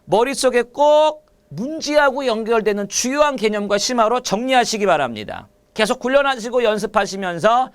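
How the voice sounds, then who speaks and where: A man teaching literature in an online exam-prep lecture, repeating key points and firing quick questions at his students. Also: very high-pitched, animated, clean tone.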